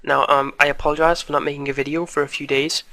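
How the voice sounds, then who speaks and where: A young man with a croaky voice from a cold, teaching programming in a casual, chatty way at a desk mic. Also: a little high, little pitch movement, fast talker, sharp tone. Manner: casual, chatty, with fillers and asides. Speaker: programming tutor. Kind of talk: screen-recorded coding tutorial.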